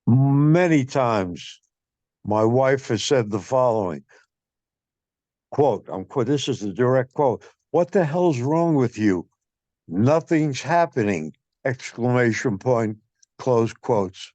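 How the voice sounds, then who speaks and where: A man's voice: medium pitch, lively intonation, slow pace, darkish tone, no room sound. A married man on a group video call, speaking bluntly and with profanity, joking. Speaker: caller.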